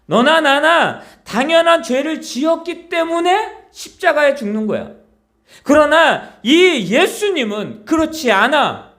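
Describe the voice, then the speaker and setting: A man's voice: extremely high pitch, big pitch swings, takes it slowly, a bit bright, pitched above the performer's own voice, full character voice. A man preaching who voices a repentant male thief on a cross, scolding his fellow thief in an insistent, raised voice. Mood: rebuking.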